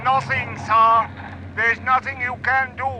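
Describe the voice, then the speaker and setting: An actor playing a polite, menacing South Asian snake charmer who taunts formally, in old-time radio drama style. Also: male voice, extremely high pitch, level tone, unhurried, bright, forceful tone, dull audio, full character voice. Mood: coolly menacing. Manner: formal, coolly taunting, calling the pilot sir. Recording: noisy old radio recording, engine drone.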